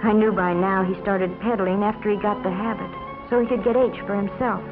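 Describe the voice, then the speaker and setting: A woman's voice: medium pitch, steady tone, a little fast, natural voice. An American woman playing a troubled young former addict, narrating her confession wearily in a 1950s educational film. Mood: wry, reflective. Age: young adult. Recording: muffled 1950s film soundtrack, music behind.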